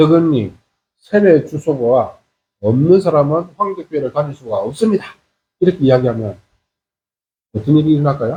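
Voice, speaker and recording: A man with a Gyeongsang accent, fairly high-pitched and somewhat breathy, dark and mellow in tone, with lively intonation, a moderate pace and long, frequent pauses. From Gyeongsang region, South Korea. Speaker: pastor. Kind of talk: sermon.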